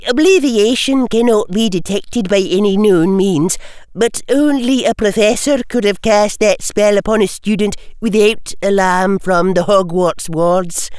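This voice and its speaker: A man voicing a stern female professor who explains in a measured, matter-of-fact way. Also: high-pitched, a little mellow, smooth, no echo, pitched above the performer's own voice.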